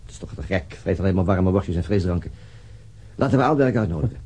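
An actor playing a weary, taciturn police detective in a radio drama, husky and terse in manner. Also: male voice, deep voice, animated, quick pace, dark tone. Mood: matter-of-fact. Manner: terse, subdued.

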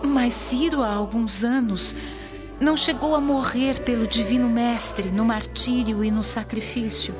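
A woman's voice: on the high side, unhurried, lightly acted. An actress playing a grieving, devout young Christian woman in a Brazilian radio drama, earnest and formal as she questions and pleads. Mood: sorrowful, questioning. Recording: dull lo-fi audio under music. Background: music.

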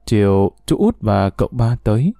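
A man tells a story in a mellow, dark voice at an even middle pitch. He reads steadily, and he lifts his pitch a little when he speaks for the characters. The sound is close and dry, with no room echo. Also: normal speed, creaky, soft background music. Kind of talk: scripted narration of a story.

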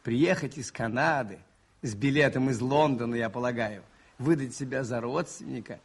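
An actor playing a shrewd, gently teasing Catholic priest detective in a Soviet radio play, with a musing, ironic, conversational manner. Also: male voice, mid-range voice, normal speed, breathy edge.

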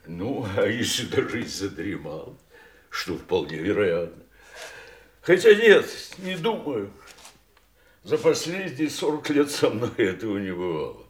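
An actor playing an old family doctor in an audio drama, deliberate, musing and gently self-ironic. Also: male voice, fairly low pitch, very animated. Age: older. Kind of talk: stage-trained audio drama acting.

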